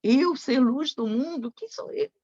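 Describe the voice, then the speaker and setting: A woman gives a reflective sermon, pausing to check in with her listeners as she goes. Her voice carries a slight gravelly edge. The recording is dull and dry, with little room sound. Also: high voice, expressive, warm tone, no room sound. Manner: reflective, tags phrases with "né?". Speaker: spiritist lecturer.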